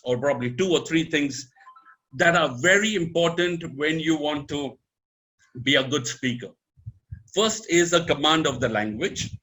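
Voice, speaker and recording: A man's voice: sharp tone, poor audio. A man in his fifties with an Indian English accent, giving an emphatic motivational talk on public speaking and mixing in Hindi words. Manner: emphatic, swings voice high and low, sprinkles Hindi words.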